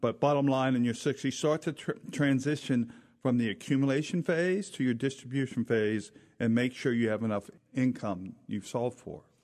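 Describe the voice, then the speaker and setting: A man with an ordinary speaking voice talks at a moderate pace and a medium pitch. His pitch varies in an ordinary way, and the background is quiet. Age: 60s. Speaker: radio host and financial advisor. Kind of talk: radio talk show. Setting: studio.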